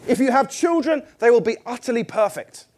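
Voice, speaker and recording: A man's voice: extremely high pitch, animated, fairly quick, darkish tone. A middle-aged man preaching a sermon in a church, conversational and self-deprecating, putting questions to the congregation.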